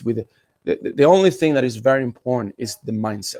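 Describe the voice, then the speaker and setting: Recorded dry and close with no echo, a man with a Spanish accent talks fairly quickly at a medium pitch. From Argentina. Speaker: real estate investor and trainer. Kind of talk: interview. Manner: animated.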